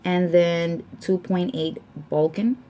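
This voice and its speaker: Woman vlogger, young adult, casual chat, slow delivery, faint background noise. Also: on the low side, steady tone, dark tone. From United States. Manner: reads results aloud slowly with fillers.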